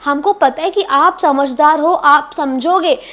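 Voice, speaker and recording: A woman's voice: high voice, unhurried, a bit bright. A woman casually recapping a reality show, chatty and repetitive, often addressing listeners as "bhai" and mixing English words into her talk. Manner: mixes English words into Hindi.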